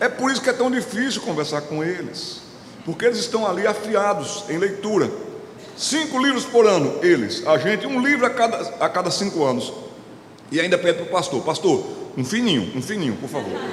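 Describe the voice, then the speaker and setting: There is noticeable background noise and audible room echo. Through it, a man with a high voice speaks with very wide pitch swings. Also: moderate pace. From Pernambuco, Brazil. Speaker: children's ministry conference speaker. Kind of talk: conference talk to church audience. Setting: stage with audience. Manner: animated.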